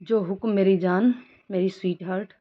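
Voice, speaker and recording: A woman's voice: mid-range voice, fairly even intonation, moderate pace, close to an everyday voice. Teasing romantic young man, read by a woman. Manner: teasing, sings filmy lines. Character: playful young man in love. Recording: dull lo-fi recording.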